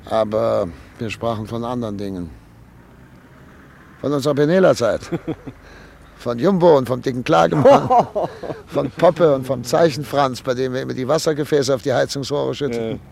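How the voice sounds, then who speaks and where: A man's voice: mid-range voice, normal speed, vocal fry, pauses often, darkish tone, lightly acted. An actor playing a thoughtful, anxious doctor and father of thirty-nine in a radio drama, speaking earnestly and articulately. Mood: wistful, musing. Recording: noisy old radio play recording.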